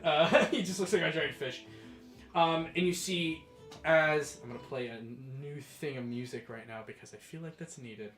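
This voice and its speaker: Game master, young man, fairly high voice, rambling narration; echoey room with music playing. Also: a bit bright. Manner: rambling, many fillers, quick bursts.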